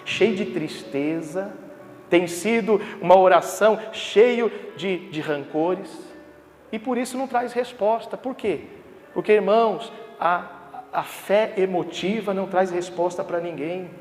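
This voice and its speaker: A man preaches with rising emphasis, pitching his voice high and peppering the congregation with questions. His words ring out through a large, echoing church hall with a faint hum of ambience behind him. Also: unhurried. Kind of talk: sermon. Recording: echoey hall with background ambience.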